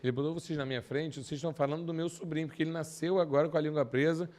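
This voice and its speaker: A man's voice: a little high, fairly even intonation, very fast, a little mellow. Casual male podcast host. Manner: casual and conversational, uses slang. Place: podcast studio.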